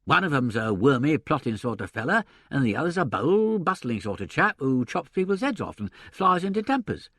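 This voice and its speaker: Blunt, gabby older theatre agent, lively up-and-down delivery, pitched above the reader's own voice, colloquial and opinionated, as a man puts him on in an audiobook. Dry, close recording with no room sound. A male narrator voices him. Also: brisk, few pauses, no room sound. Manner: colloquial, drops grammar, chuckles, opinionated. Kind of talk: audiobook character reading.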